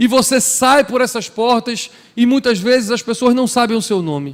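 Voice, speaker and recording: Against noticeable background noise, a man speaks with an extremely high pitch. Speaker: preacher. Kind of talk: sermon. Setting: church with congregation. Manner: fast.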